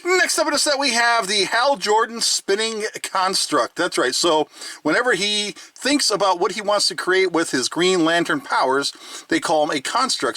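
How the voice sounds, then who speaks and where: A man with a high, bright voice chats casually as the host of a toy review. His delivery swings up and down with playful enthusiasm, as if showing things off to a friend. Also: no echo. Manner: enthusiastic, chatty, playful joking. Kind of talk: casual review chat to camera.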